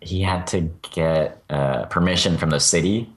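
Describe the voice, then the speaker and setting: Very deep-voiced hesitant man. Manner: hesitant, halting, with fillers. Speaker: podcast co-host. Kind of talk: casual conversational chat.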